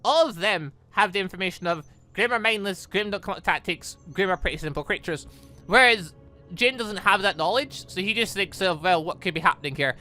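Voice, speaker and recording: A man's voice: sits high, fairly quick, sharp tone, soft background music. A man hosting a gaming channel, reading through a visual novel with commentary, often stumbling and correcting himself aloud. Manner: stumbles over lines, self-correcting, exclaiming.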